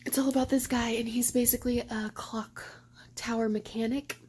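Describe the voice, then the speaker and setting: A woman's voice: a little high, flat delivery, moderate pace, a little mellow, breathy edge. A young woman chatting casually at home in a book vlog, gushing, giggly and swearing freely. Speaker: book vlogger. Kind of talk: casual chat.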